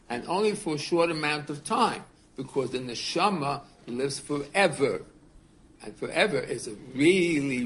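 A rabbi in his seventies teaches a class casually and earnestly, repeating words often and putting questions to his students. His voice is mid-range, with a little hiss or hum on the recording.

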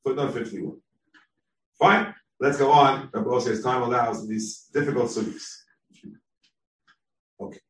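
A man leading a Talmud class, thinking aloud and reading out sources with quick asides. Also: mid-range voice, fairly even intonation, a bit bright, echoey room, far from the mic, rough recording. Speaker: Talmud teacher. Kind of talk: text-based Talmud class.

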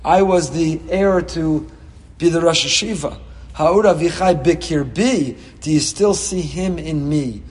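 A man giving a Torah class as a rabbi, reading Hebrew texts and explaining them with passion, swinging between soft and loud. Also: fairly high pitch, measured pace, in a large hall. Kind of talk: Torah class on the weekly portion.

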